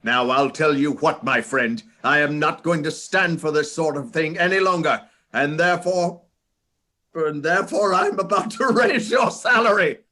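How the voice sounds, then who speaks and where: An actor playing a reformed old miser uncle in a theatrical radio play, exclamatory and generous, repeating himself for emphasis. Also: male voice, a little high, moderate pace, bright, forceful tone. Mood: mock stern, then gleeful.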